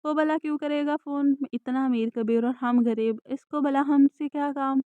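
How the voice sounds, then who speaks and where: A woman's voice: sits high, fairly even intonation, no room sound, close to an everyday voice. A woman voicing a worried, despairing middle-aged mother in an audiobook, lamenting. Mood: hopeless. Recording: dry, tinny phone-like sound.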